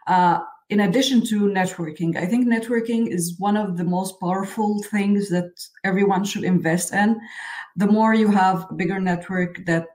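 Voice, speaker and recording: A woman in her thirties from Egypt, a software engineer answering interview questions earnestly, often saying "like". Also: medium pitch, steady tone, normal speed. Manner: frequent "like" fillers, earnest.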